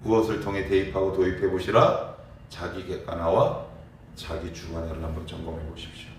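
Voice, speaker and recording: A man's voice: low-pitched, level tone, a little fast, slight background noise. A man preaching a morning prayer sermon as pastor, explaining with rhetorical questions and acting out everyday dialogue. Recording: very echoey, mic far off.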